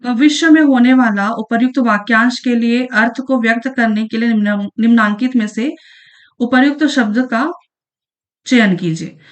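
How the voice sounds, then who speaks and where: A woman with a somewhat high voice teaching an exam-prep lesson. She works through each question patiently and says every definition twice. She keeps checking in with the listener, as a steady tutor does. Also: normal speed. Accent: Chhattisgarhi Hindi. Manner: explains patiently, repeats each definition, checks with "thik hai" and "hai na".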